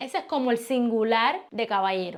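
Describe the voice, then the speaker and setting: A woman speaks in a Cuban accent. She talks at a fairly quick pace. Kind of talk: casual talk to camera. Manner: relaxed, chatty.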